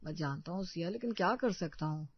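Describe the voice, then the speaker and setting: A man's voice: sits high, a little fast, husky, no room sound. Man voicing a cheerful patient young husband. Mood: teasing. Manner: soothing, joking. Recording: dull, dry sound.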